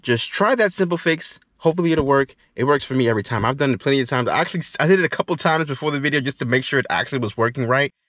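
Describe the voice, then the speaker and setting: Male how-to host, casual and expressive, mid-range voice, restates key points, very dry recording. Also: medium pitch, very fast, hardly any pauses, no echo. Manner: repeats phrases for emphasis. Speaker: tech tutorial host. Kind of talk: casual how-to demonstration talk. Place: inside a car.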